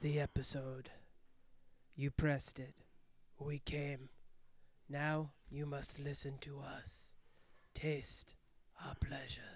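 Someone uses a put-on character voice at a low-to-middle pitch, moving at a fairly slow pace. Long pauses come often. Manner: creepy, ominous.

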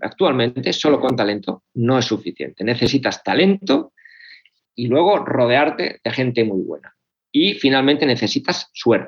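An ordinary speaking voice with lively intonation at a fairly slow pace. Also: man, medium pitch for a man. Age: 50s. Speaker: fitness coach and professor. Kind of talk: interview.

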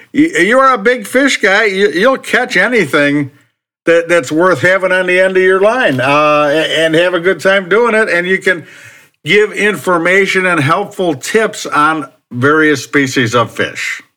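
In an American accent, a man with a high-pitched, bright, sharp tone uses a raised, projected voice at a fairly slow pace, with lively intonation and very even loudness. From Chicago. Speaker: fishing podcast host. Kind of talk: interview.

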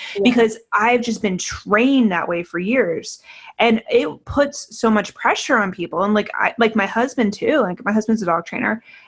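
The woman's voice is somewhat breathy. Her pitch sits fairly high. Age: 30s. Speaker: podcast host and dog business coach. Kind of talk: casual interview chat. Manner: animated.

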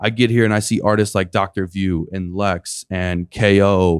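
A man's ordinary speaking voice with an American accent, fairly low in pitch and fairly even in intonation, dry and close with no echo on a very clean recording with a silent background. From Chicago. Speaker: tech startup co-founder. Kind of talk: live podcast interview.

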